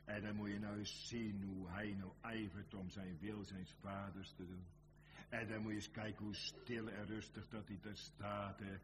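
Fervent low-voiced male preacher, noisy recording. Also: level tone, normal speed. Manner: fervent, swinging from hushed to crying out; dwells on repeated phrases. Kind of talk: sermon.

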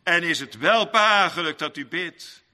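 A man preaching a sermon, swinging between loud, sung-out passages and quiet, low asides. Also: lively intonation, moderate pace. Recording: long church reverb.

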